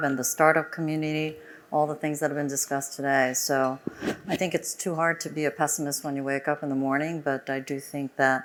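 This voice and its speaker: A woman with a New York accent talks at a fairly quick pace in a very deep, low pitch with ordinary pitch variation. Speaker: tech company executive. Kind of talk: panel discussion. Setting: conference stage with audience. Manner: fluent, confident.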